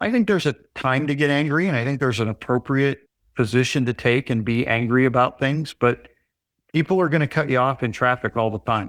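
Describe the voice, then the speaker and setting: At a fairly quick pace, a man talks at medium pitch with ordinary pitch variation in an unremarkable speaking voice. The sound is dry and close with no echo, on a very clean recording with a silent background. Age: 60s. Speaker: recovery program client. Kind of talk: interview testimony.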